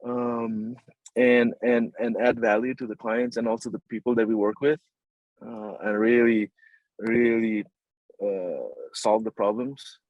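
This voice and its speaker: A man's voice: fairly low pitch, flat delivery, a little slow, no echo, dull audio. A man from Nepal, a construction company chief, answering interview questions casually, with many fillers and restarts and a polite "yes, sir". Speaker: construction company CEO, guest.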